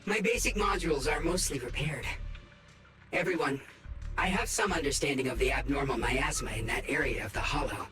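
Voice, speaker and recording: A man voicing a polite, helpful small robot companion in a video game, measured and formal. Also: medium pitch, far from the mic, natural voice. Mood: helpful, calm. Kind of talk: dramatic video game dialogue. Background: game music.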